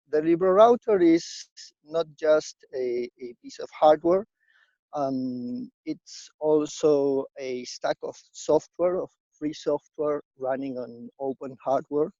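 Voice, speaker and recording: Guy w doing a conference talk, kinda mellow n halting, dry sound. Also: mid-range voice, no room sound, muffled recording. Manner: hesitant, halting phrasing. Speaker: community network organization representative, speaker. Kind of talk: semi-prepared conference presentation.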